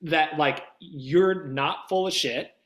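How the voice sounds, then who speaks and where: A man with a fairly high, very bright and forceful voice talks as a guest producer in a casual interview. He is emphatic and informal, speaking in an animated, conversational way. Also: takes it slowly. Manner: emphatic, informal, acts out little quoted exchanges.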